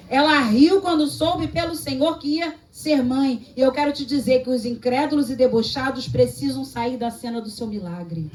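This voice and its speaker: A Brazilian woman pastor preaching a sermon, telling stories and acting out dialogue as she exhorts the congregation. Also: high-pitched. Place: church hall. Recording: echoey church hall, mic at a distance.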